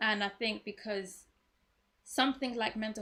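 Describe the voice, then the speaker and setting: A woman with a British accent speaks at a moderate pace, her fairly high voice bright and sharp in tone. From UK. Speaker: host's daughter. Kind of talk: casual chat.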